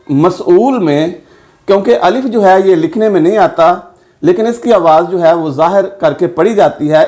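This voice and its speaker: A man teaching a grammar lesson, spelling words out letter by letter and repeating each example slowly. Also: high voice, a little mellow.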